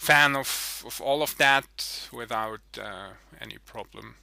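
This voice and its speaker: A man with a Swiss German accent speaks at a fairly slow pace in a medium pitch. His tone is bright and sharp, with ordinary pitch variation. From Switzerland. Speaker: gaming video commentator. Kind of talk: game commentary. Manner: halting, many fillers and repeats.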